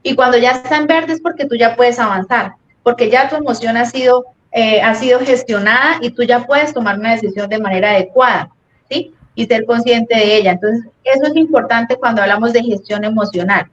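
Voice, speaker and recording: A woman's voice: a little high, fairly quick. Woman psychologist, lo-fi stream. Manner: explains patiently, acts out little quoted scenes. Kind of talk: explanatory live-stream talk on parenting. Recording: dull lo-fi stream audio.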